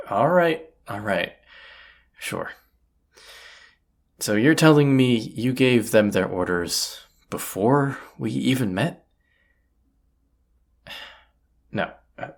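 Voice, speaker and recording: Voice actor as a slow, gravelly bandit leader. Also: mid-range voice, heavily acted. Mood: baffled, incredulous. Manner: drawling, folksy, sardonic. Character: gruff, teasing bandit leader, wry and grudgingly impressed. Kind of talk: roleplay audio drama, addressing the listener.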